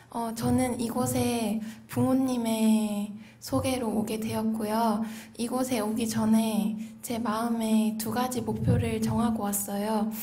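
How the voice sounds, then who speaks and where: A woman's voice: a little high, mellow. A Korean woman in her early twenties giving a polite, orderly self-introduction to a group. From South Korea. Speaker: theology student, seminar participant.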